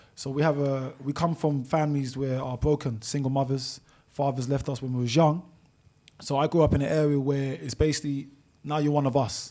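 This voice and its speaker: A man in a London accent, fairly high in pitch yet dark and mellow in tone, at a fairly quick pace with monotone, flat intonation. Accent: London English, multicultural London English. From East London, England. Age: 20s. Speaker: travel content creator. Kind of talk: interview.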